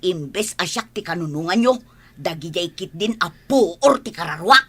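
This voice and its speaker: A woman's voice: on the low side, lively intonation, normal speed, husky. A woman voicing a bitter mother in an audio drama, scolding and complaining.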